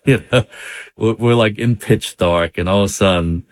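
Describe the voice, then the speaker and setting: A man from Vietnam with a very low voice tells his story as an interview guest. He talks in a loose, chatty way and leans on lots of fillers. The recording is dry, with almost no room sound. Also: moderate pace, no room sound. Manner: conversational, many fillers, chuckles now and then. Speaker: interview guest, business owner.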